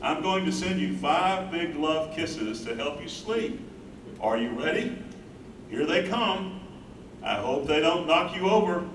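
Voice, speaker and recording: A man's voice: fairly high pitch, expressive, measured pace, a bit bright. A man in a staged reading, playing a tender, devoted elderly husband of a wife with Alzheimer's. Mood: tender, reassuring. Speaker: stage reader. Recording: echoey room, far from mic, background noise.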